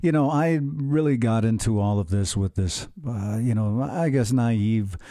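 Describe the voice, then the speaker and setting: A man's voice: lowish voice, measured pace, dark tone, dry recording, clean studio sound. A middle-aged man hosting a radio show, earnest and enthusiastic, talking in long rambling turns. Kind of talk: conversational radio interview.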